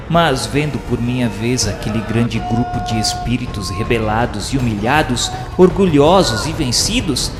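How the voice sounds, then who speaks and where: A man narrating a radio novela from a script, with solemn, theatrical delivery and literary phrasing. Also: mid-range voice. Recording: echoey long reverb, music underneath. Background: clear background music.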